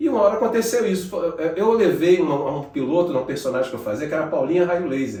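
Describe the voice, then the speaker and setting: A man at a high pitch, animated and very fast, with hardly any pauses, lively intonation, audible room echo and noticeable background noise. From Rio de Janeiro, Brazil. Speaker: radio announcer and voice artist. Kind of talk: casual interview chat.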